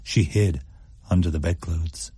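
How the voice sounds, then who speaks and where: Low husky male storyteller. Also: dark tone, no room sound, studio quality. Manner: measured, suspenseful storytelling. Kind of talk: scripted story narration.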